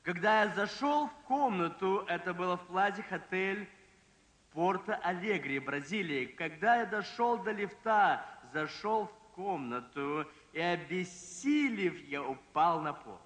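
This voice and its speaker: A man preaching a sermon, telling a story with emphasis, slowing down and dropping low at dramatic moments. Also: expressive, fairly bright tone. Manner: emphatic, slows and drops pitch for drama. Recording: long reverb from a large hall.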